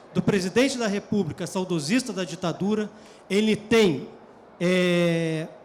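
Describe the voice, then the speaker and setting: A man with a southern Brazilian accent, talking at a fairly slow pace. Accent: southern Brazilian (gaúcho). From Rio de Janeiro, Brazil. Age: 50s. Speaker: author and journalist. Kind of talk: panel discussion. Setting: book fair stage with audience.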